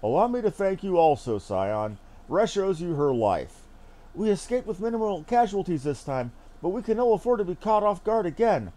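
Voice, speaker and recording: A man's voice: high-pitched, big pitch swings, normal speed, dark tone, pitched above the performer's own voice. A man voicing a solemn, dutiful soldier captain from a fantasy game, speaking formally and with emphasis. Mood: grave, resolute. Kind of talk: reading fantasy game dialogue aloud in character.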